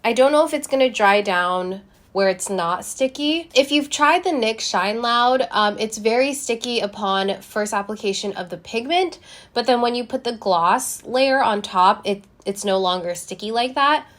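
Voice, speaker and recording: A woman's voice: a little high, moderate pace, a bit bright. A young woman vlogging a casual lipstick review, chatting to viewers as she swatches and applies, a little congested from a cold. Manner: chatty, talks to viewers while applying lipstick. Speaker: beauty vlogger.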